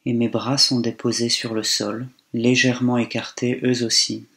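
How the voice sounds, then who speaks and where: In a medium-pitched, creaky voice, a man takes listeners through a body scan meditation. His pace is calm and unhurried, with long gaps separating each phrase.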